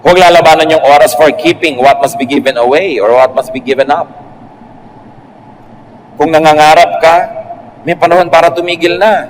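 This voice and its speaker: A man with a Filipino accent preaching a sermon as a pastor, talking in an easy, conversational and joking way with sudden jumps up in pitch. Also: moderate pace, long pauses. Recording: long hall reverb, faint background noise.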